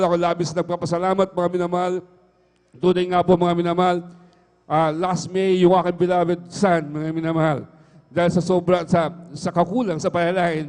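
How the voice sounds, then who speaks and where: A man's voice: high-pitched, a little mellow. A middle-aged man giving an earnest spoken testimony at a church worship service, repeating his address to the congregation over and over. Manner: earnest, repeats "mga minamahal" constantly. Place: church hall. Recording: livestream with long hall reverb.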